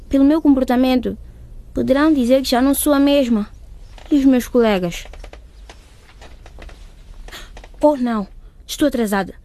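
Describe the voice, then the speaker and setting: Anxious young student, fairly high voice. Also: female voice, mellow. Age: young adult. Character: anxious, guilt-ridden young female student in love. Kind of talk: radio drama monologue.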